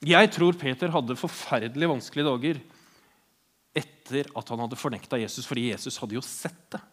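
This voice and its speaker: A man delivering a heartfelt sermon in Norwegian. He talks with quiet earnestness and often speaks the lines of the people in the passage he retells. His voice sits at an ordinary middle pitch for a man. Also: slightly rough. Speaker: preacher.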